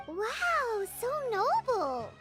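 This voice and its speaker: Super high squeaky little fairy companion, excitable n nosy, childish, video game with music going. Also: female voice, extremely slow, exaggerated voice. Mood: amazed. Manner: exclamatory, naive, talks in third person. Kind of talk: video game dialogue acting. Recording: prominent playful music under the voice.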